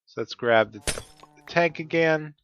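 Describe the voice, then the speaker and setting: A man's voice: a little high, measured pace, fairly bright tone, a little hiss or hum. Stuffy-voiced man narrating his gameplay. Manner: methodical, talks through each step. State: stuffy from a cold. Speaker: Let's Play host. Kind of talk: casual gameplay commentary.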